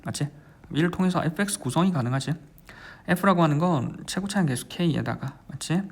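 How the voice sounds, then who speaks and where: A man working through a math exam problem step by step as a tutor, repeating his phrases and constantly asking quick check questions. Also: fairly high pitch, lively intonation. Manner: keeps asking quick check questions like "right?" and "how much?"; repeats phrases while writing. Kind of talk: exam solution walkthrough lecture.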